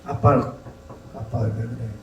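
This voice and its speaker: A man's voice: mid-range voice, steady tone, slow pace, creaky, lo-fi sound, noisy background, voice pushed down. A man voicing a curious young chick who keeps asking his father questions. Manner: questioning, innocent. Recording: echoey hall, distant mic.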